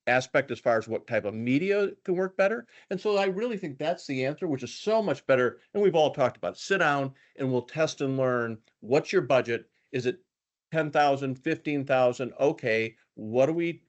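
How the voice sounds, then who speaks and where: A man on a media panel explaining his advertising approach, firing off quick rhetorical questions in a businesslike manner. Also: mid-range voice, lo-fi sound. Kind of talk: panel discussion.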